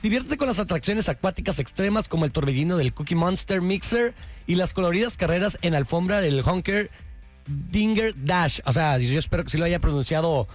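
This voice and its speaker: A man's voice: sits high, lively intonation, fairly quick, faint music behind. A man co-hosting a morning radio show, reading promotions in a playful, teasing way. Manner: playful, teasing, reads promos with mock-clumsy English. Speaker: radio co-host.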